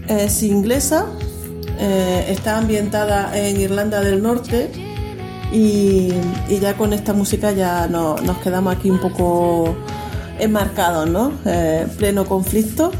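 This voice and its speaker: A woman's voice: mid-range voice, steady tone, slow pace, music in the background. A woman host in casual radio chat, talking about a TV series in a chatty way, laughing easily and often restarting her sentences.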